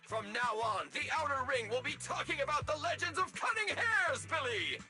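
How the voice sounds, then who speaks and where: A boastful showy robot hero-fan. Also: male voice, very high-pitched, normal speed, soft background music, exaggerated voice. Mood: hyped. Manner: excitable, theatrical, shouting. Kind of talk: video game voice acting.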